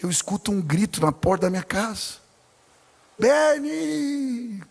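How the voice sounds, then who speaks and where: A man with a Brazilian Portuguese accent preaching a sermon as pastor, telling stories animatedly and building to shouted exclamations. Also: sits high, fast talker, breathy edge. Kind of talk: sermon with personal storytelling. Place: large church sanctuary. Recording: long hall reverb in a church.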